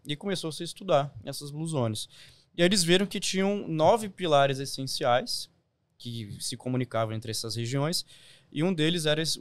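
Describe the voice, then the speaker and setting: A man's voice: on the high side, no room sound. A Brazilian man hosting a podcast, asking questions and explaining things in an articulate, conversational way. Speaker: podcast host.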